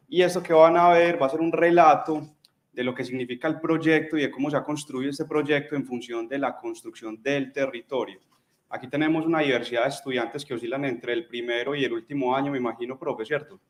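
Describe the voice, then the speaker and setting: Speaking in a strong Antioquian accent, a man talks at a fairly quick pace with a fairly high pitch and fairly even intonation. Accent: strong paisa. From Colombia, Antioquia (paisa). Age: 30s. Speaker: landscape architect. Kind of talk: lecture. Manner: casual, many filler words.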